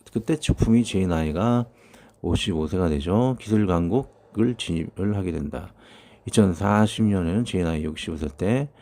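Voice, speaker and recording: Pastor in his fifties, low and gravelly, talks through his sermon casually. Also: mellow. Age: 50s. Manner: conversational, thinking aloud with many fillers. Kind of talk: sermon reading and commenting on prophecies.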